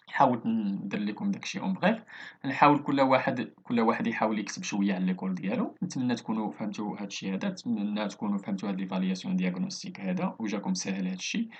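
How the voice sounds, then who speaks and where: A husky-voiced man with a Moroccan accent walks through a French worksheet as a teacher. He reads the French words slowly and deliberately, then switches to brisk asides in Moroccan Arabic. The recording sounds dull and lo-fi. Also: fairly low pitch. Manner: slow, deliberate French dictation, quick Darija asides. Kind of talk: explaining a worksheet.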